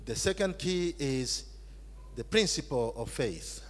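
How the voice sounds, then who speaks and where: A man preaching a sermon in phrases for an interpreter, emphatic, swinging from shouts to low, slow lines. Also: animated. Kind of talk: sermon in English with live interpretation. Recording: echoey hall.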